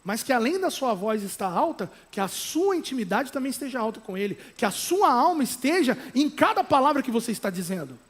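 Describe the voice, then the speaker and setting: A Brazilian pastor preaches in a notably high voice, moving between chatty asides and emphatic, loud exhortation. He checks in with the congregation through quick tag questions. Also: big pitch swings. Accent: Brazilian Portuguese. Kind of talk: sermon.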